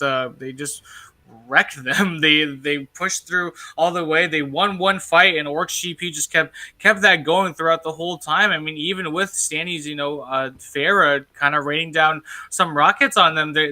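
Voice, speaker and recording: A man's voice: a little high, pushed and bright. A man giving casual color commentary on a live esports match, analysing plays with plenty of filler words.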